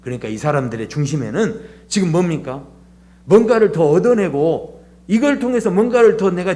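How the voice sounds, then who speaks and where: A male pastor preaching a sermon in a church, animated, dropping to a low hushed voice to act out prayers. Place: church sanctuary.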